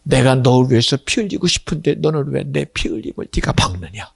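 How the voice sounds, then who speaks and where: A man voicing a gentle, whispering savior. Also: lively intonation, fairly quick, gravelly, breathy edge, no room sound. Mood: tender pleading. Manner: low, hushed, often whispered. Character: tender divine male savior, pleading gently.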